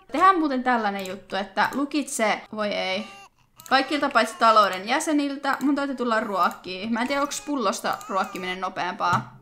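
A young woman with a Finnish accent, chatting excitedly to viewers while playing a life-sim game. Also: fairly high pitch. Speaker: let's play host. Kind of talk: casual gameplay commentary.

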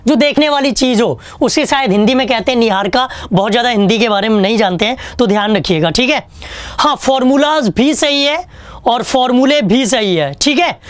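A man's voice: very high-pitched, dry recording. A man teaching an online exam-prep English lesson, chatty and joking, asking questions and answering them himself. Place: online class studio with a whiteboard.

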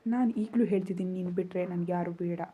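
A woman's voice: fairly low pitch, steady tone, quick pace, mellow, a little hiss or hum, natural voice. A woman voicing a proud, possessive young husband with a brusque, commanding manner, in a read-aloud romance story. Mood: arrogant.

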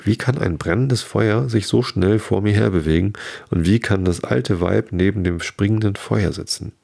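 A man's voice: lowish voice, moderate pace, creaky, darkish tone, husky. A man voicing a bold young traveller who calls out in astonishment in a fairy-tale reading. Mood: astonished. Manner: exclaiming, astonished.

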